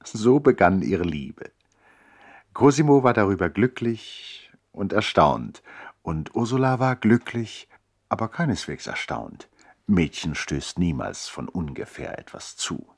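An actor narrating a radio play as a reflective brother telling a tale in a measured, literary way, with a husky voice. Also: male voice, deep voice, very animated, exaggerated voice. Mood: tender, reflective. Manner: measured storytelling.

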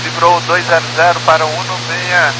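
A man's voice: fairly high pitch, flat delivery, normal speed, heavy background noise. Male Brazilian pilot on a humming cockpit radio. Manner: clipped, procedural phrasing. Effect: aircraft radio headset. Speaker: airline and private pilots. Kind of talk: radio readbacks to air traffic control from the cockpit.

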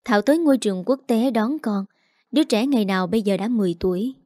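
A woman reading a dramatic story aloud, narrating in a steady scripted style and voicing every character herself. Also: on the high side, fast, no room sound, clean studio sound.

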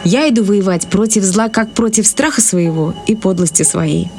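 A woman's voice: mid-range voice, moderate pace, over music, close to an everyday voice. An actress playing an eccentric, forthright young woman in a radio drama, chatty and idealistic. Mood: earnest, defiant. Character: eccentric, earnest, fearless young woman fighting evil.

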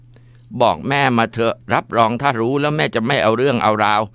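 A man's voice: mid-range voice, pushed and bright, smooth, no echo, voice pushed up, full character voice. A shaking, bitter mother, as a man puts her on. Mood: pleading, tearful. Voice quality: trembling, bitter. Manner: slow scolding then pleading. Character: furious grief-stricken older mother.

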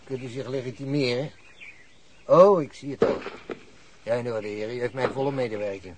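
An actor playing a guarded, formal shooting club official in a radio drama. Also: male voice, medium pitch, moderate pace, background noise, close to an everyday voice. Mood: wary, formal. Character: wary, then cooperative male shooting club official.

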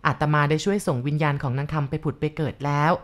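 A woman voicing a wandering forest monk who calmly explains the haunting and reassures the family. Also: low voice, fast, natural voice. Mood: explaining. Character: calm wandering forest monk, older man.

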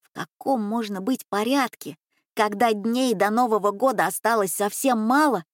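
A woman narrating a children's story, reading in an unhurried, expressive way. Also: mid-range voice, no room sound, clean studio sound.

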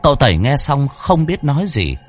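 Husky-voiced male ghost story narrator. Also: medium pitch, very animated, normal speed, faint music behind. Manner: dramatic, vivid storytelling.

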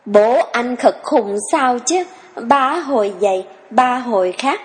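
Woman doing a pert young farm girl, sassy, a bit high, long reverb. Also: lively intonation. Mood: teasing. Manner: sassy, quick retorts.

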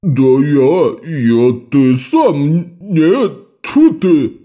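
A man's voice: a little high, sing-song, drawn-out words, mellow, highs cut off, exaggerated voice. A man voicing a fussy, indignant portly middle-aged clerk in an audiobook. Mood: flustered. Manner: blustering, huffy.

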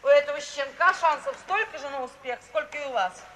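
A woman's voice: sits high, fairly quick, fairly bright tone, recorded from a distance. An actress playing a brash, scornful middle-aged mother with theatrical, emphatic delivery in a 1950s radio play. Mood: scornful, sharp. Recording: roomy 1950s stage-like recording, faint hiss.

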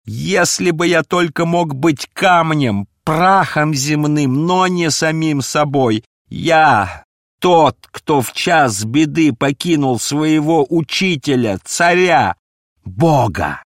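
A man voicing the apostle Peter, a strong, guilt-stricken man crying out hoarsely in despair. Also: on the high side, expressive, slow, no room sound, clean studio sound, voice pushed up. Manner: hoarse anguished shouting.

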